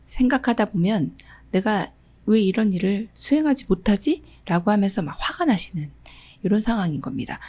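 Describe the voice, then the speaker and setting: Middle-aged woman teaching, walks through test answers, mellow voice, dry close mic. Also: mid-range voice, no room sound. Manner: reads questions aloud, then explains the answers patiently. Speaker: exam prep instructor. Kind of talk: exam question walkthrough lesson.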